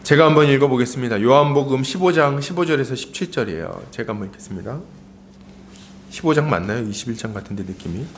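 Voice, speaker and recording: Lively Korean pastor telling a story. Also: male voice, medium pitch, fast talker, a little hiss or hum. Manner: animated storytelling, acting out quoted lines. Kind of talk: sermon.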